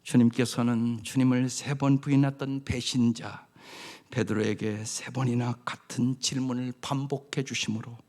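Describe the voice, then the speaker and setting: A man preaching a sermon as pastor, with emphatic exhortations that drop at times to hushed, whispered lines. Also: mid-range voice, level tone, normal speed.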